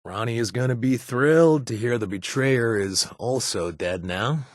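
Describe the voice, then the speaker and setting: A man's voice: mid-range voice, moderate pace, no room sound, studio quality, close to an everyday voice. An actor playing a nervous, wisecracking male raider companion in a video game, who rambles, jokes and corrects himself mid-sentence. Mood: wry chatty. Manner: rambling, self-correcting, jokey. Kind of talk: game character voice lines.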